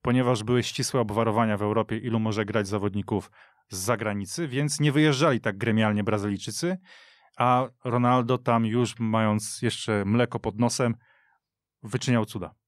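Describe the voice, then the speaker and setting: A man's voice: lowish voice, fairly even intonation, normal speed, no room sound. A man on a radio football panel, opinionated and talkative in casual studio chat. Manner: opinionated, storytelling. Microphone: studio mic.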